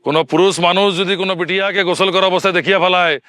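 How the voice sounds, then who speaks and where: A man's voice: high voice, fairly even intonation, rapid-fire, bright, forceful tone, no room sound, clean studio sound. A man playing a stern tribal chief in a comedy skit, barking orders and laying down his clan's law in a mixed dialect. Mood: commanding. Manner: commanding, barks orders, speaks in a mixed dialect.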